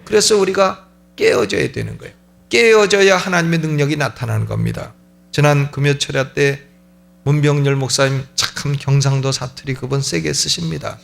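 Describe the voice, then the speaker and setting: A middle-aged man preaching a sermon in a church, animated and acting out the prayers he quotes. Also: fairly high pitch, moderate pace, creaky. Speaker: pastor. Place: church sanctuary.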